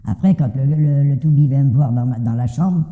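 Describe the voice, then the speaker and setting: A man's voice: mid-range voice, brisk. Older guy telling his own story, plain spoken, repeats himself, really muffled and reverby. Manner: colloquial, plain-spoken, hesitant repetitions. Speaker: interviewee giving an anonymous testimony. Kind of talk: casual spoken personal testimony. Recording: very muffled, reverberant hall-like sound.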